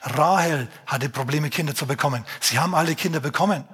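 Husky-voiced man preaching a lively sermon. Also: fairly high pitch, brisk. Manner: lively, conversational, addresses congregation directly with rhetorical questions.

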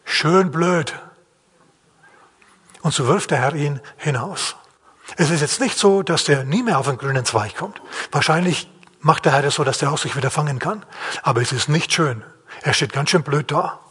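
A man's voice: fairly high pitch, animated, brisk, fairly bright tone, slightly rough. A man preaching a sermon in a plain-spoken, questioning way, acting out the quotes. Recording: long hall reverb.

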